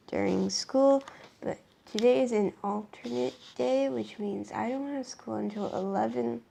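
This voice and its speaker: A young woman from Canada with a hoarse, worn-out voice, rambling casually through a show-and-tell vlog with many ums and restarts. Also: fairly high pitch, dark tone, a little hiss or hum. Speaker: vlogger.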